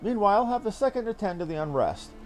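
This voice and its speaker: A man's voice: high-pitched, animated, fast talker. A man voicing a shrewd, composed military commander with formal, thoughtful phrasing. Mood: commanding. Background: game music.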